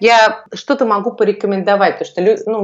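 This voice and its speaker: With noticeable noise behind her, a woman talks very fast, her pitch varying in an ordinary way. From Moscow, Russia. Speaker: business coach and property investor. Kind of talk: podcast interview.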